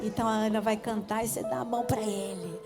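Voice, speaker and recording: A woman's voice: mid-range voice, steady tone, quick pace. A woman pastor leading a church in fervent, pleading prayer, with faint music behind her. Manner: pleading, repetitive, rising to cries. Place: church service.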